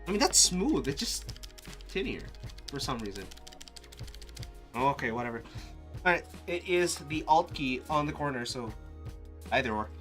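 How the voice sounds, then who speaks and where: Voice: mid-range voice, sing-song, moderate pace, long pauses, fairly bright tone, faint music behind. A live streamer casually thinking aloud, muttering to themself with restarts and sudden exclamations. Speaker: live streamer testing keyboards.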